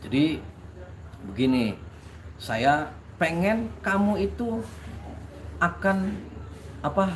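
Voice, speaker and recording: A man voicing a menacing older male sorcerer who calmly threatens death, within his own spoken story. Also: sits high, takes it slowly, pauses often, a little hiss or hum, pitched above the performer's own voice, full character voice.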